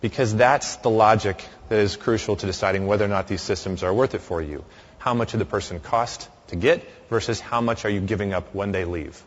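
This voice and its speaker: A man's voice: lowish voice, a little fast, muffled recording. A man in his thirties giving a conversational conference talk in a large hall, with frequent fillers and restarts. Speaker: conference speaker.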